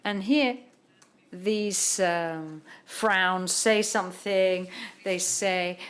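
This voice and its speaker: Halting woman interpreting a talk. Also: mid-range voice, a bit bright. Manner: halting, many pauses and restarts.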